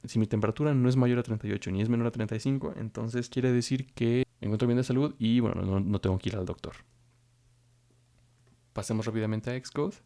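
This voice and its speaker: A man's voice: medium pitch, fairly even intonation, fairly quick, dark tone. A man teaching programming, walking through code step by step and thinking aloud as he goes. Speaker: programming instructor. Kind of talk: screen-recorded coding tutorial.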